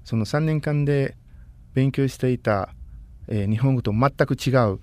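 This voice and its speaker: A man in his thirties from Costa Rica, a native Spanish speaker, talking as a guest in a casual interview. He speaks politely and in a measured way, often pausing to find his words. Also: medium pitch, a little mellow, dry recording. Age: 30s.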